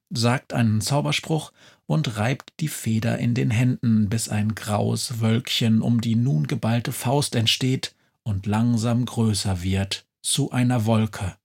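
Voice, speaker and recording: A man narrating a children's audio story in a calm, deliberate storytelling manner. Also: fairly low pitch, breathy edge.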